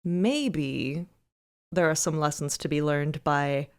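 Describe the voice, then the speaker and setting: Articulate, wry podcast guest, mid-pitched voice. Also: takes it slowly, smooth. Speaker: podcast creator, roundtable guest. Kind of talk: thoughtful casual discussion.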